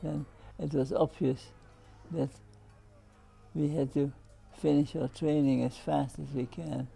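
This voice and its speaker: An older former pilot, recalling wartime in slow, broken phrases. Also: male voice, on the high side, little pitch movement, vocal fry, dark tone, breathy edge, faint music behind. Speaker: veteran pilot interviewee. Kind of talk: interview recollection.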